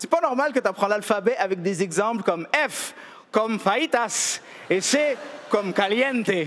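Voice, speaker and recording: The speaker has a Quebec accent, an animated tone and lively intonation. The pace is fairly slow with long, frequent pauses over noticeable background noise. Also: man, high pitch for a man. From Quebec (immigrant child). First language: not French (speaking French). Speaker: comedian. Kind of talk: stand-up.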